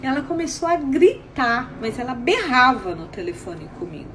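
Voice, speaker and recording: A woman therapist, retelling stories from her sessions in a lively live talk, acting out the dialogue and often checking in with the listener. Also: high-pitched, normal speed, a little hiss or hum. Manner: animated retelling with acted dialogue and frequent checks like "tá?". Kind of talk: Instagram live talk with anecdotes.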